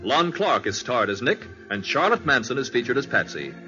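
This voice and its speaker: A man narrates in vintage radio announcing style, with animated pitch and a bright, punchy tone. The recording is dull, with faint music behind. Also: normal speed. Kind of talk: 1940s radio scripted announcing.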